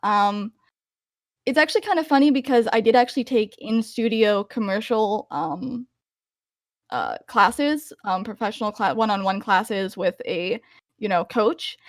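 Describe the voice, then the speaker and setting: A woman's voice: a little slow, no room sound, studio quality. A young woman voice actor answering interview questions casually, with many fillers and restarts. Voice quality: higher-pitched voice. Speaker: voice actor guest.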